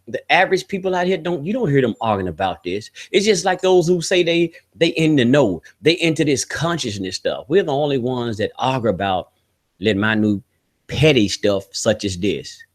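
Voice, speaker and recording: A man hosting a podcast, ranting bluntly with heavy swearing, rhetorical questions and short chuckles. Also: medium pitch. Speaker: podcast host. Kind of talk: opinionated solo podcast rant.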